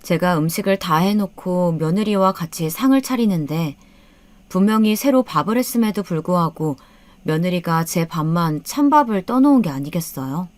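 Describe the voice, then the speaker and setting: A woman's voice: lowish voice, animated, moderate pace, darkish tone, no echo. A woman narrating a first-person story as an aggrieved older mother, in a subdued, rueful manner.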